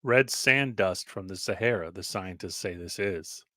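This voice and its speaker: A man reading an old article aloud as dramatic narration, measured and deliberate, with emphatic pauses and the odd stumble. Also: deep voice, pushed and bright, no echo, clean studio sound. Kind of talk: dramatic read-aloud narration of archival text.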